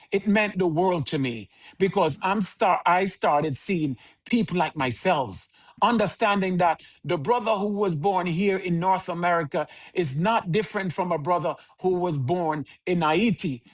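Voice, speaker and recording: A man, a podcast guest who speaks in a measured, preaching cadence with repeated phrases. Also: sits high. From Jamaica. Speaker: podcast guest, organization leader. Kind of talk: earnest conversational interview answers.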